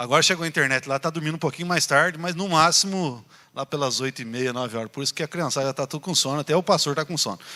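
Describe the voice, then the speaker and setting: A man's fairly high-pitched voice moves with ordinary pitch variation. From Minas Gerais, Brazil. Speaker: pastor. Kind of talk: sermon. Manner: relaxed, conversational.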